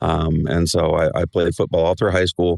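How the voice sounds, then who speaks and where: A man with a Californian accent. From California, San Fernando Valley. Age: 50s. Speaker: voice actor and podcaster. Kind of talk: casual interview chat. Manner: halting, many fillers.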